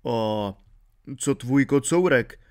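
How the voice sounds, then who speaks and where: A man voicing a suspicious middle-aged shepherd in an audiobook, asking slow, doubtful questions. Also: medium pitch, lively intonation, darkish tone, smooth, close to an everyday voice. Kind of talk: audiobook reading.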